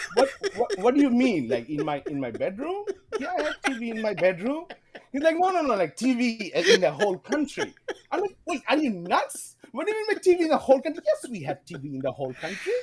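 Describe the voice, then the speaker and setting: A man with a Bangladeshi accent at a fairly quick pace. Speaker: VFX and animation production manager. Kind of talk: casual interview chat. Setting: live stream video call. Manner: halting with many repetitions.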